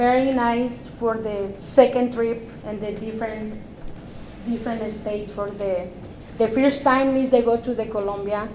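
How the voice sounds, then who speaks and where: A woman's fairly high voice with a Spanish accent, fairly even intonation and long, frequent pauses, amid audible room echo and noticeable background noise. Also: big swings in loudness. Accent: Spanish accent, limited English. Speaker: youth group director, public commenter. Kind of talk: public comment speech. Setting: city council meeting. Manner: halting.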